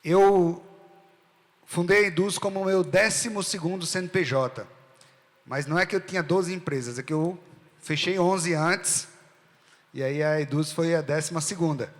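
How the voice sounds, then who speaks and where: A middle-aged man with a Northeastern Brazilian accent gives a talk from a stage. His voice sits a little high for a man. The sound carries a long reverb from the hall. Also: normal speed. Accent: Northeastern Brazilian, from Rio Grande do Norte. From Rio Grande do Norte, Brazil. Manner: conversational, asks the audience questions. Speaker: speaker at a live event. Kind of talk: storytelling keynote talk.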